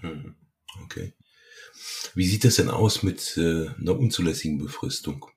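A middle-aged man with a raspy, gravelly smoker's rasp, hosting a podcast in casual talk. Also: a bass voice, moderate pace. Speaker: podcast host, lawyer.

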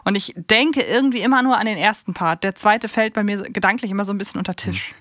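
A woman's voice: medium pitch, fast talker, a bit bright, dry recording, clean studio sound. A woman co-hosting a podcast in a casual, conversational discussion style. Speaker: podcast co-host.

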